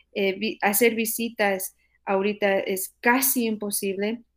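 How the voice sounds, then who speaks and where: On a very clean recording with a silent background, a woman speaks at a medium pitch in a monotone with flat intonation. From Ecuador, Quito. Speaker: nurse. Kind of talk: testimony.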